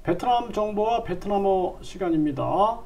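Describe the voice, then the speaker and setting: An older man teaching a language lesson, patiently repeating phrases and dropping his voice low on side remarks. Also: animated, moderate pace, mellow. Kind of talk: lecture with repeated drills.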